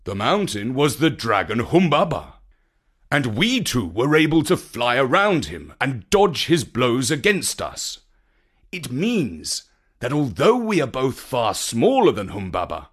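A man voicing a loyal, steady male companion warrior in a storybook reading, calm and reassuring. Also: medium pitch, unhurried, husky, heavily acted.

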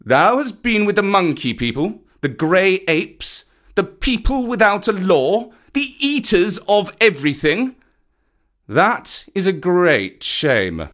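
A man's voice: sits high, huge pitch swings, a bit bright, voice pushed up, full character voice. A sleek male panther from a storybook, acted out by a man, wry and protective with a severe edge. The voice sits above the reader's own and moves expressively, in pointed, old-fashioned phrases. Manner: archaic, pointed, measured phrasing.

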